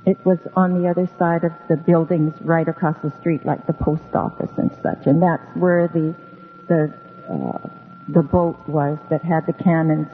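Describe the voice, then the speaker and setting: Unhurried and full of ums, a Hawaiian woman who grew up speaking Hawaiian meanders through a story as a radio interview guest. Her voice is low-pitched and barely moves in pitch. The audio is narrow and tinny like a phone, with long echoing reverb and faint background music.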